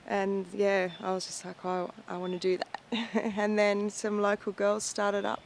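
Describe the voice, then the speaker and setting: A woman in her late thirties, a roller derby player giving relaxed interview answers with trailing fillers. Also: mid-range voice, unhurried, gravelly. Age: 30s. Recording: noisy background.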